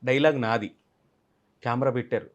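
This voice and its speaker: A man's voice: medium pitch, normal speed, highs cut off. Guy w telling a story from a film set, acts out everyone's lines. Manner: animated, acts out others' lines in quotes. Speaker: actor guest. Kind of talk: interview storytelling.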